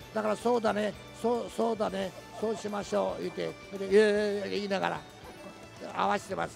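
With clear music in the background, a man talks at a fairly quick pace in a dry sound with no echo. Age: 80s+. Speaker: actor. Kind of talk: event talk on stage. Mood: cheerful, joking. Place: stage. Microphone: handheld.

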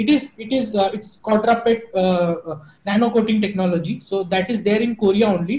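A man speaks at a moderate pace in a high voice with an Indian accent. His pitch varies in an ordinary way, and the room echo is audible. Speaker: company representative. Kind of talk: online business discussion. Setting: video call. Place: home room. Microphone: webcam.

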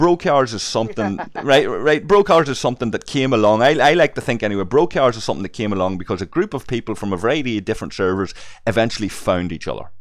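Delivered very fast in an Irish accent, the voice swings widely in pitch. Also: man, medium pitch for a man. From Ireland. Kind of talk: interview answer.

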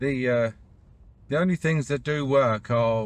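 A man at a moderate pace, dry sound with no echo. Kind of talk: casual vlog chat. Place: car. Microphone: phone near.

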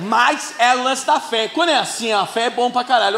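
A man with a Brazilian accent and an extremely high pitch speaks amid audible room echo and light background noise. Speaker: comedian; stand-up comedian. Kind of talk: stand-up. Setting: stage with audience. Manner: halting. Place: stage. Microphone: handheld.

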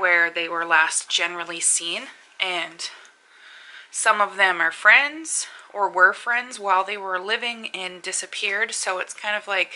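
Medium pace from a woman, pitch rising and falling in a normal way. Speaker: true crime vlogger. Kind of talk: casual vlog chat. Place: home room. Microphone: webcam.

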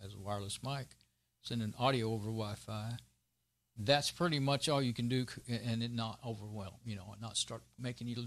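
The man's intonation stays fairly even as he moves at a fairly quick pace. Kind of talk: casual tech vlog chat. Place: home room.

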